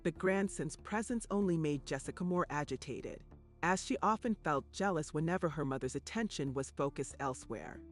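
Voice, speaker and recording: Higher-pitched man narrating true crime over music. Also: animated, normal speed.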